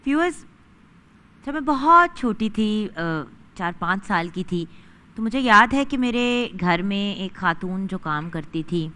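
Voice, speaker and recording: A woman hosting a religious broadcast, speaking earnestly and conversationally to viewers and pausing with hesitations as she tells a childhood story. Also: on the low side, pushed and bright.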